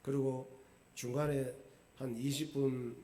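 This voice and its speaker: A male pastor preaching a sermon in a lively, colloquial storytelling way with jokes. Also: mid-range voice, takes it slowly.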